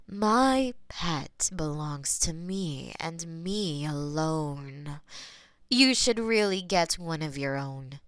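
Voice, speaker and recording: A woman voicing a centuries-old female demon who keeps a human as her pet, speaking slowly and intimately with a possessive edge. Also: sits low, expressive, clean tone, no room sound, exaggerated voice. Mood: firm. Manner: slow, intimate, possessive, softly spoken. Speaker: voice actor in audio roleplay. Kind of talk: scripted audio roleplay.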